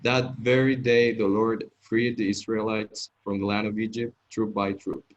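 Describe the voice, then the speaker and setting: Low-voiced man reading haltingly, accented. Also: level tone. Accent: non-native English. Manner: halting reading, stumbles and repeats words. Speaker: student reading aloud. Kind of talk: reading scripture aloud in a group. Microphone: video call. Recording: dull, lo-fi video call audio.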